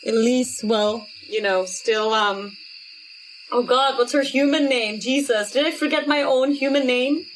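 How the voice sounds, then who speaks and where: A woman's voice: fairly high pitch, a little slow, a little hiss or hum, poor audio. A woman chatting casually as a player in a tabletop game, with faint night ambience behind her. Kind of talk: casual chat.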